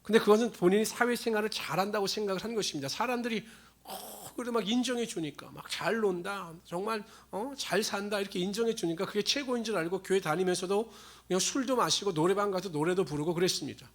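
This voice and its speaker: A middle-aged man delivers a church sermon with his voice set a little high. He tells plain stories from daily life to his congregation, then reads long scripture passages aloud in a lifted, declaiming voice. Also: fast. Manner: storytelling, then reading scripture aloud in a raised voice. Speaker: pastor.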